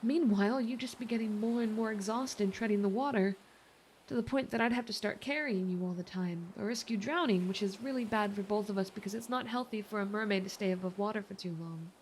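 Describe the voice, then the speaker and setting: A woman voicing a kind, worried mermaid in an ASMR roleplay, speaking in a gentle, earnest, slightly hesitant way. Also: medium pitch, a little fast, slight background noise, lightly acted. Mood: sympathetic. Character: kind, worried female mermaid rescuing a shipwrecked sailor.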